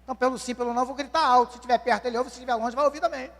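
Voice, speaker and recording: Pastor carioca de voz aguda. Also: male voice, very high-pitched, rapid-fire, a bit bright. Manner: asks the congregation questions, calls them dear ones. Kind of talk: sermon. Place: church hall. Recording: long church hall reverb.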